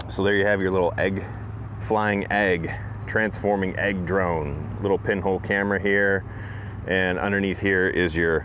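Light background noise sits under a dry sound with no echo. A man with a fairly low pitch talks at a moderate pace in a monotone, flat intonation with very even loudness. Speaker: product reviewer. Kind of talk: casual product review. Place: open country. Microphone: phone near.

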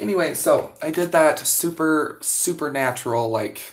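A woman's pitch varies in an ordinary way, and the background around her is quiet. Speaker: beauty vlogger. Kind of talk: casual livestream chat. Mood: warm, friendly. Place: home room. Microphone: webcam.

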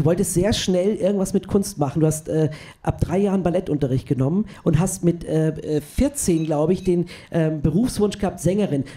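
A man with a high pitch and a dark, mellow tone speaks at a moderate pace. His loudness is very even and his pitch varies in an ordinary way. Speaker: talk show host. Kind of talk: live talk show interview. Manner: jokey, playful. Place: stage. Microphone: handheld.

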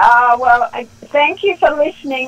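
A woman speaks with an Australian accent. Her pitch moves in an ordinary way at a moderate pace. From Australia, Sydney. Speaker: country singer. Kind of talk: interview. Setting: phone call. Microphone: phone line.

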